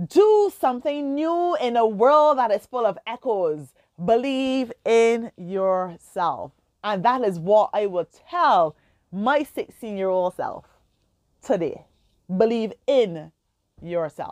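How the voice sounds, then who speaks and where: A woman's fairly high voice with very wide pitch swings, very slow, dry and close with no echo, in a quiet background. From Barbados. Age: 30s. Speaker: finance coach. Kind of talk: motivational talk. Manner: emphatic, repetitive.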